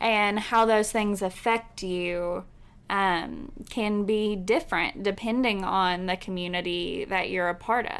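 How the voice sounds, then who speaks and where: Someone with an Appalachian accent speaks at a very slow pace. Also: woman, medium pitch for a woman, ordinary pitch variation. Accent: Appalachian Southern US. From Eastern Kentucky, US. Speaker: podcast guest. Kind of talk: casual chat.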